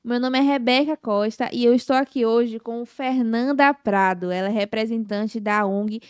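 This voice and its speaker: Young Brazilian woman hosting, higher-pitched voice. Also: fairly even intonation, normal speed, smooth, dry recording, studio quality. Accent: Brazilian Portuguese. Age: 20s. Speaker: podcast host. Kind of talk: conversational interview.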